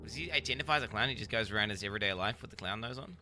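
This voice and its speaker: A man's voice: lowish voice, very fast, music in the background. Profane, incredulous streamer man. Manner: incredulous, profane, rambling with many fillers. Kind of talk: livestream reaction commentary.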